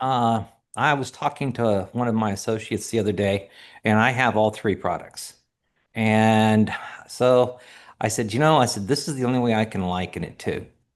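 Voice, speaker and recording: An ordinary speaking voice, a man at medium pitch and moderate pace with ordinary pitch variation, against a quiet background. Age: 60s. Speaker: network marketing team member. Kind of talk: testimony.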